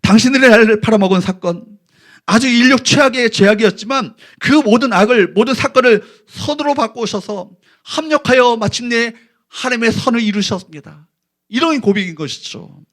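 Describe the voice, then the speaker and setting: Male senior pastor, middle-aged, high-pitched voice; sermon delivery in a church with call-and-response reading. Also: expressive, normal speed, a bit bright. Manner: asks the congregation questions and leads them in reading aloud. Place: church sanctuary.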